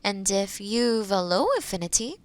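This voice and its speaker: A woman playing a kind, skilled witch in an intimate roleplay audio drama, gently reassuring, with soft near-whispers and thoughtful murmurs. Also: mid-range voice, normal speed, no room sound, natural voice. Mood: patient explaining.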